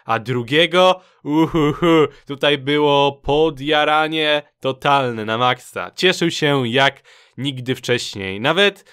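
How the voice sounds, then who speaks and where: A man's voice: mid-range voice, slow, sharp tone, smooth. A man casually commenting on gaming clips in a chatty, slangy, playfully teasing way. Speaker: host narrating a gaming clip compilation.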